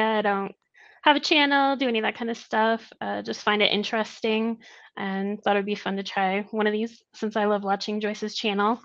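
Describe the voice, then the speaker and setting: A woman's voice: fairly high pitch, fairly bright tone, highs cut off. A woman guest on a group video call, casual and a bit self-deprecating.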